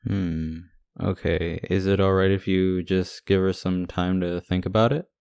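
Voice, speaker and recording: A man's voice: low voice, level tone, unhurried, vocal fry, darkish tone, smooth, no room sound, studio quality. A man playing a devoted, protective boyfriend in an ASMR audio roleplay, talking casually and conversationally. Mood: wary, concerned.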